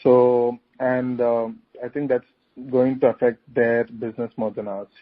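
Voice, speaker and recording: A company executive answering on an earnings call, halting with many fillers. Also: male voice, medium pitch, little pitch movement. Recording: muffled conference call line.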